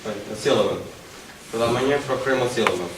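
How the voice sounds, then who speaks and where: A male student reading a poem aloud in class with a plain, steady delivery. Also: medium pitch, fast, background noise. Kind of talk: poetry reading. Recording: roomy hall, distant mic.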